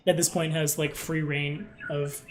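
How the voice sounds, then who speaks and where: A man acting as game master, improvising descriptions in an informal, halting way. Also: fairly high pitch, flat delivery, a little hiss or hum. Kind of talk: improvised tabletop game narration.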